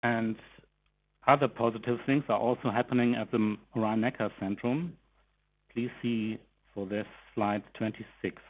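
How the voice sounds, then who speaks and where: Slightly low-voiced man presenting company results. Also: steady tone, measured pace, low-quality recording. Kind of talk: scripted presentation on an investor conference call.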